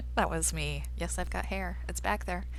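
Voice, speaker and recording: Noticeable background noise runs under a cackling, put-on character voice at a moderate pace. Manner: cackling laughter.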